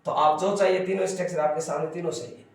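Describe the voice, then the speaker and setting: A man's voice: on the high side, steady tone, quick pace, faint music behind. A man teaching an English grammar lesson, repeating key phrases and drilling pronunciation. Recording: echoey room, from a distance.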